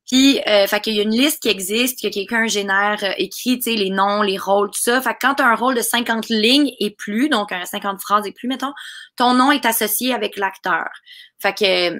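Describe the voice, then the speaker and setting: A young adult woman with a Québécois French accent, a guest chatting casually and animatedly on a podcast with many quick asides. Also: medium pitch, fairly bright tone. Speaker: guest, voice actress.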